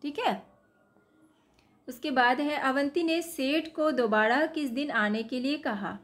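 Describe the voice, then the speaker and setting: Slow, high-voiced woman teaching a lesson. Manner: patient, step-by-step, repeats "ठीक है". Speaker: teacher solving workbook exercises. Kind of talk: explaining a school workbook.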